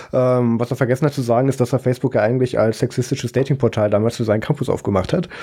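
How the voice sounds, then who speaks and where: Hardly pausing at all, a man rushes along at a very fast pace with very even loudness and fairly even intonation. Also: medium pitch for a man. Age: 20s. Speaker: podcast host. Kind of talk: casual chat.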